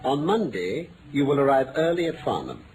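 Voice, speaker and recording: An actor playing a brisk, commanding English detective in a vintage radio drama, speaking with crisp authority and measured questioning. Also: male voice, mid-range voice, very animated, darkish tone, close to an everyday voice. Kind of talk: 1940s radio drama acting. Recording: noisy vintage radio broadcast.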